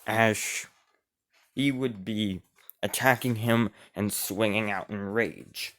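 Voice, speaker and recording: A man's voice: fairly low pitch, fairly even intonation, takes it slowly, fairly bright tone. A man improvising a fan story as narrator, rambling with frequent restarts.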